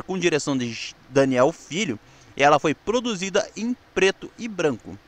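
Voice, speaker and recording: High-pitched Brazilian man presenting. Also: fairly bright tone, no echo. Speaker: presenter of a weekly history channel. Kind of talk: semi-scripted narration of TV history.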